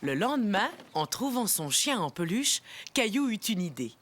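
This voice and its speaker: A woman's voice: mid-range voice, very animated, normal speed, slight background noise, close to an everyday voice. A woman playing a grandmother who narrates children's storybook tales in French in a cartoon. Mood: storytelling.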